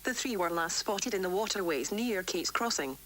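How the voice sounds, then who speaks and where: A woman's voice: mid-range voice, lively intonation, moderate pace, fairly bright tone, natural voice, low-quality recording. Woman acting a grave female doctor on hissy tape. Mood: grave, concerned. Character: worried, defiant female doctor dictating research tapes. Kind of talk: analog horror tape log, scripted report. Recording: hissy vintage cassette tape recording.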